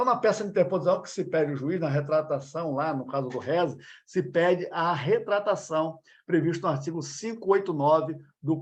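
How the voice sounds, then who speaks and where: A man with a Brazilian accent giving an exam-prep law lecture in a conversational way, often checking in with listeners and restarting his phrases. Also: fairly high pitch. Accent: Brazilian Portuguese. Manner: conversational, many fillers and checks like "tá ok?"; repeats points and restarts phrases. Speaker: law teacher.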